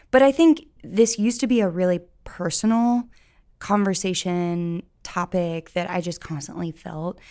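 A dark, mellow tone with an American accent, ordinary pitch variation and a moderate pace. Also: woman, medium pitch for a woman. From US Midwest, St. Louis. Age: 30s. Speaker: college ministry director. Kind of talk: podcast interview.

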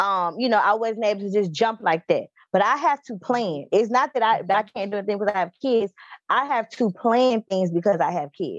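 The sound is dry and close with no echo. A woman with a plain, everyday voice speaks at a fairly high pitch with ordinary pitch variation. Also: quiet background. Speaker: podcast co-host, mother. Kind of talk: casual chat.

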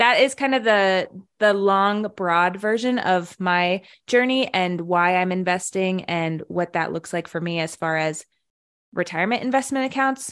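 A woman talks at a fairly slow pace in a normal speaking voice, her pitch medium with ordinary variation. The recording is very clean, with a silent background. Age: 20s. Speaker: podcast co-host, entrepreneur. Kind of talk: casual chat.

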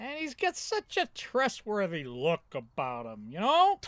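On a very clean recording with a silent background, a man with a high pitch speaks at a fairly slow pace, his loudness swinging widely. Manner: brash, wisecracking, tough-guy.

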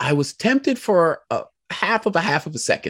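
American-accented male speech, very cleanly recorded over a silent background. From US Midwest (Cleveland, Ohio). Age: 50s. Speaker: poet and university professor. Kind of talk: casual interview chat.

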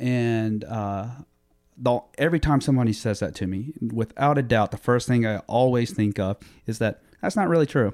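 With a Southern US accent, a man speaks at a moderate pace and medium pitch with ordinary pitch variation, the sound dry and close with no echo. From US South, Meridian, Mississippi. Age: 30s. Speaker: podcast guest sharing life story. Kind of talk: personal testimony interview.

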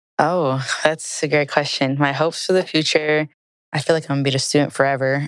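With an American accent, a woman talks fairly quickly in a very deep, low voice and a flat, monotone delivery. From Milwaukee, US Midwest. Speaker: university diversity program administrator. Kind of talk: interview, personal story.

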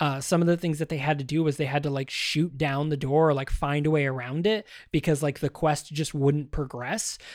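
Fairly quick, nearly pause-free delivery from a man with a fairly high pitch and fairly even intonation, on a very clean recording with a silent background. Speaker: podcast host. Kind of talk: casual solo commentary. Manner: hesitant, many fillers.

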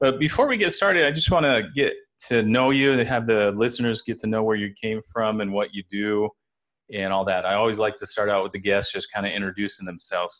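This man has an unremarkable speaking voice at a medium pitch, with ordinary pitch variation. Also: fairly quick pace. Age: 40s. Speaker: podcast host. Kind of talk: interview.

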